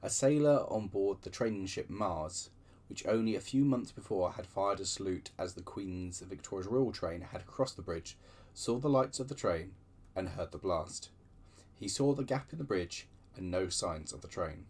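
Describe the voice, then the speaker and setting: Husky low-voiced guy reading a book out loud, animated, chatting in between. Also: normal speed. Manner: lively storytelling with chatty digressions. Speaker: channel host reading aloud. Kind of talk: reading book extracts with asides.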